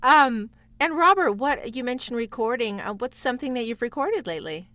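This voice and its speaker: A woman's voice: a little high, expressive, moderate pace, sharp tone, no echo. A woman talking casually and reflectively as a guest, offering encouragement. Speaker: guest voice actor and playwright. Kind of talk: casual chat with encouraging advice.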